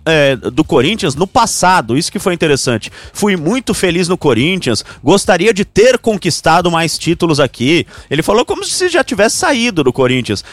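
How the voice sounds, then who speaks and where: A man talks football on a sports show. His voice sits a little high, and he explains things in an even, methodical way. The sound is close and dry. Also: no room sound. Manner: steady, explanatory, cites figures. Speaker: sports radio commentator. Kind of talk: sports talk show discussion.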